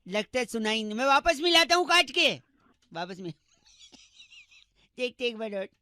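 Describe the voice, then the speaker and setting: A man's voice: very high voice, very animated, measured pace, sharp tone, clean tone, no echo, full character voice. A man voicing a cheeky, boyish prankster radio persona who teases a caller during a prank call. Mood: teasing. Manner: teasing, repeating one demand.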